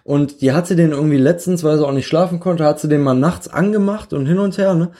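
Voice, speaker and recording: A man's voice: on the high side, a little fast, dark tone. A man co-hosting a casual podcast, talking in a rambling, hesitant way with many tag questions. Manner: rambling, hesitant, full of "ne?" and "sag ich mal". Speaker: podcast co-host.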